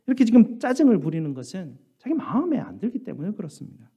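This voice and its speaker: Lively, expressive male preacher. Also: fast, breathy edge. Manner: animated storytelling, acts out quoted voices with big pitch jumps. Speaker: pastor. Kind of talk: sermon. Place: church sanctuary.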